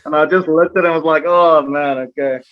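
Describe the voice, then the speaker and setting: A young South African man whose first language is Afrikaans, a rugby player chatting in an interview, relaxed and hesitant with many fillers. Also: a little high, brisk, lo-fi sound. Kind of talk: casual interview chat.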